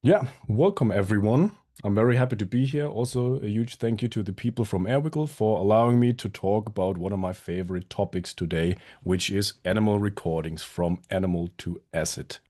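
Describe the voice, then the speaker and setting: A man's voice: fairly low pitch, fairly quick, hardly any pauses, warm tone. A man giving a friendly conference talk with self-deprecating jokes, his voice a little strained from being sick. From Germany. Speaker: conference speaker, sound designer. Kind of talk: presentation talk.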